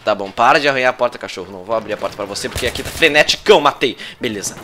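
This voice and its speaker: A man's voice: mid-range voice, rapid-fire, a little hiss or hum. A young Brazilian man giving nervous live commentary over his own gameplay, swearing at the game and bursting out in yelps when things happen. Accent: Brazilian Portuguese. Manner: excitable, swears at the game, frequent outbursts. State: nervous and sweating. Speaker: gaming youtuber.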